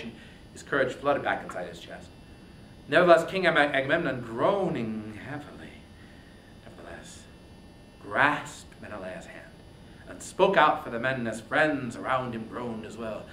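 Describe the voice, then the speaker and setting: A man with a bright, forceful voice reads epic verse as narrator. He declaims theatrically with emphatic phrasing, and the room echoes around him over a faint rumble. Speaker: reader, narrator. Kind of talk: dramatic reading of epic poetry. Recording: roomy, echoing, faint background rumble.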